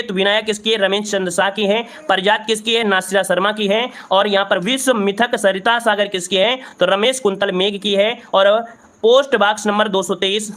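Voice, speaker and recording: A man teaching a live exam-prep lesson, going through answers briskly, repeating each one and calling his students friends. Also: sits high, sharp tone.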